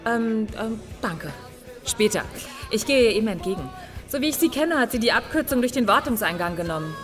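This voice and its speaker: A woman's voice: a little high, animated, brisk, soft background music, lightly acted. An actress playing a bold, casual young woman in a sci-fi audio drama. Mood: casual, hurried.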